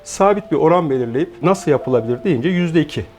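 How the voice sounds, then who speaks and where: Forties man, guest founder, warm mellow tone, measured with pauses, faint music under. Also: on the high side, lively intonation. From Turkey. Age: 40s. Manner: measured, explanatory, with frequent hesitation fillers. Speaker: guest, founder of an online shop. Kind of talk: interview.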